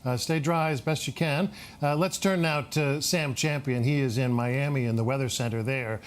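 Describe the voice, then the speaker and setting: An American man anchoring live breaking news without a script, halting and repeating words as he goes. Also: medium pitch, steady tone, slight background noise.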